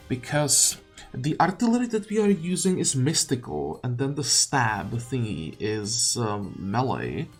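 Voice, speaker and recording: A man giving casual gameplay commentary, thinking aloud as he deliberates step by step. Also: medium pitch. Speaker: gamer narrating own playthrough. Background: game music.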